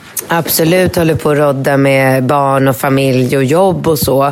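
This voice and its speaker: Over noticeable background noise, a woman talks at a fairly slow pace in a very deep, low pitch. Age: 40s. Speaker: podcast co-host. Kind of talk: casual chat.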